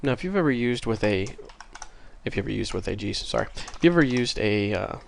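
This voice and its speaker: Congested man with a gravelly low voice. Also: animated, a little fast, a little hiss or hum. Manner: casual, apologetic, self-correcting. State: stuffy, congested after a cold. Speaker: programming tutorial host. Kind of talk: screen-recorded coding tutorial.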